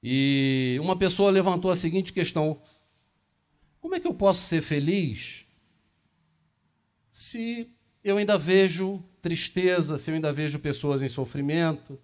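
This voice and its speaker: A man in his fifties with a fairly high voice gives a talk at a spiritist center. He speaks conversationally, asking the audience questions as he moves and gestures. The camera picks him up from across a small meeting room.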